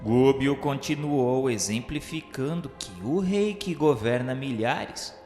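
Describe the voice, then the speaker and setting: A man's voice: mid-range voice, lively intonation, slow, darkish tone, faint music behind. Echoey solemn Brazilian actor as male narrator. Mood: solemn, edified. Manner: formal, solemn, literary diction. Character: reverent male disciple narrating a spiritual tale. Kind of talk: scripted radio drama narration. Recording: echoey hall reverb.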